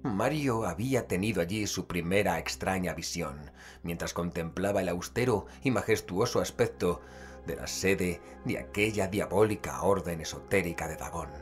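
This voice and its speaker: A man acting a deep-voiced, grave investigator narrator. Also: faint music behind, lightly acted. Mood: grave, ominous. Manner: measured, grave, literary storytelling. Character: male investigator gravely recounting a cosmic horror expedition. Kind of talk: scripted audio drama narration.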